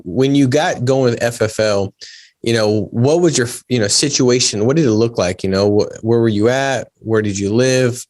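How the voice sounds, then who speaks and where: A man in his thirties hosts a podcast with chatty enthusiasm. His voice sits in a middle pitch, and he keeps calling his guest "man" and "dude". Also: darkish tone. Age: 30s. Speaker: podcast host. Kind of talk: casual podcast interview.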